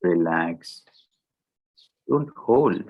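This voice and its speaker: Low-pitched, husky male meditation guide. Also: lively intonation. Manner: gentle, deliberate, short phrases with long pauses.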